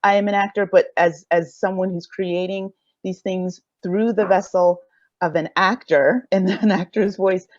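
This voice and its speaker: A woman with a fairly low voice takes part in an unscripted panel. She speaks reflectively and haltingly, often rephrasing as she searches for words. The recording is very dry and slightly dull. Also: steady tone, darkish tone, dry recording. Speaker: audio drama creator, panelist.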